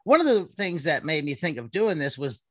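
A man's voice: fairly high pitch, very animated, brisk, fairly bright tone, no echo. A man hosting a podcast, easygoing and folksy in casual conversation. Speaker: podcast host.

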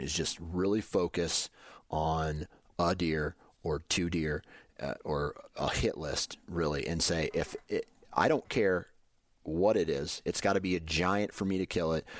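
A man's voice: deep voice, no echo, clean studio sound. A man in his late thirties, chatting casually as a podcast co-host in a laid-back, hesitant way with many ums and uhs. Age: 30s. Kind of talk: casual chat.

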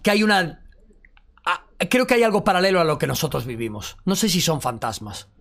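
A man answering questions as a guest in a podcast interview, replying in a hesitant, measured way. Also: fairly high pitch, expressive, vocal fry, fairly bright tone.

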